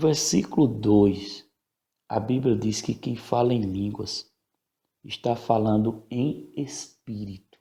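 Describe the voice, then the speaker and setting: A soft-spoken man with a dark, mellow tone talks very slowly, using lively intonation and vocal fry. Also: long, frequent pauses. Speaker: preacher. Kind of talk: bible study.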